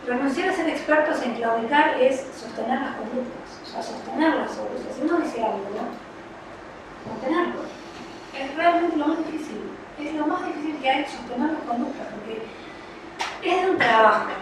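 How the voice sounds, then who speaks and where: A woman's voice: high voice, animated, moderate pace, background noise. A woman with a Rioplatense Spanish accent, a child psychology professional, giving an informal, conversational talk to parents, explaining things with frequent fillers. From Argentina. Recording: echoey room, distant mic, faint ambience.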